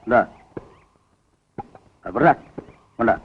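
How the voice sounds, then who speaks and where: A man's voice: mid-range voice, lively intonation, slow pace, phone-quality sound. An actor playing a bossy village liquor boss who barks orders at his workers. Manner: gruff barking orders. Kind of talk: 1990s Tamil film acting.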